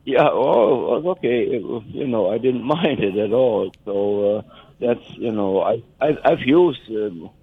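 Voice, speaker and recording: An older German-accented man phoning in to a radio show, his voice thin and tinny down the phone line. He rambles and restarts his sentences, stopping to chuckle at his own stories. His pitch sits in the middle for a man. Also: expressive, unhurried, husky, no room sound. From West Germany. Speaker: caller. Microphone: telephone.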